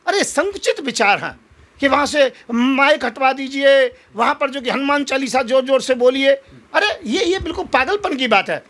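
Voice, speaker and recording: A man's voice: very high voice, animated, normal speed, a bit bright. A man giving an impassioned political interview, speaking in combative, emphatic oratory full of rhetorical challenges.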